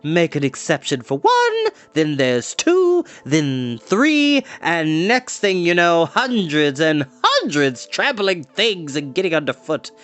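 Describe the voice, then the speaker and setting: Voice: mid-range voice, wildly swooping pitch, slow, few pauses, fairly bright tone, voice pushed up, full character voice. A reader voicing a plump, cheerful enchantress who talks in a chirpy, indulgent sing-song. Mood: cheerily menacing. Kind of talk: audiobook reading.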